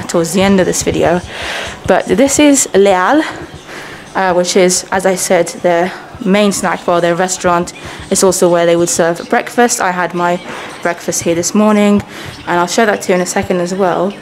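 A woman in her thirties whose first language is Persian chats brightly through a self-filmed hotel walkthrough, with her pitch jumping up now and then. The sound is handheld camera audio with clear background noise from the indoor lobby. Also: low-quality recording. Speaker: travel vlogger. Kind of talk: casual walking hotel tour.

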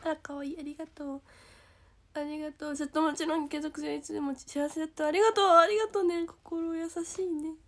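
A young woman with a Kansai accent hosts a casual livestream, high and sweet in pitch. She reads comments aloud and thanks viewers, giggling often and slipping now and then into a hushed whisper. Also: fairly even intonation, moderate pace, pauses often. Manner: giggly, bubbly, drops to soft whispers. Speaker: idol livestream host.

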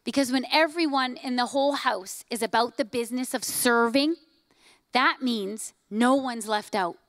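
A woman in her forties preaching a sermon on a church stage into a handheld mic, emphatic, often dropping to hushed lines. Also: a little high, normal speed, no echo, clean studio sound. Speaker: pastor. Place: church stage, large hall.

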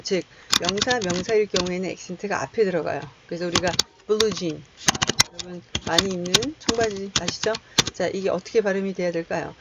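A woman's voice: mid-range voice, highs cut off, noisy background. A woman teaching an English test-prep lecture, explaining step by step and putting questions to the class before answering them herself. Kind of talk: recorded lecture.

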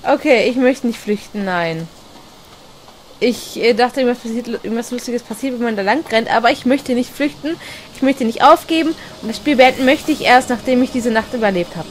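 Excitable woman narrating a horror game. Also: on the high side, brisk, a little hiss or hum. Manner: excitable and chatty, talks to herself, swears. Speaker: let's play gamer.

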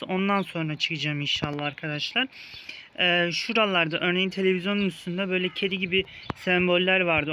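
Bright-voiced young man, playful game commentary. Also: high-pitched, slight background noise. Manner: playful, teasing the game baby with mock insults. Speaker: gaming video host. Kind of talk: casual let's-play commentary. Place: outdoors in a park.

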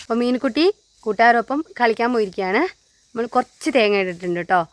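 A woman's voice: on the high side, fast talker, a little hiss or hum. A woman chatting to viewers while climbing a hillside plantation with her small daughter, a little out of breath. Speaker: vlogger and mother. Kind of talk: casual vlog narration while walking.

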